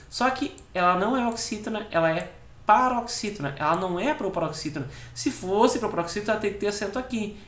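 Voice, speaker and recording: A man with a southern Brazilian accent teaching an exam-prep lesson, explaining step by step and tagging nearly every phrase with a quick check-in question. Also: high voice, a bit bright. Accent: southern Brazilian (Rio Grande do Sul). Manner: repeats key words slowly for emphasis. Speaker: Portuguese teacher for civil service exams. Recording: echoey room.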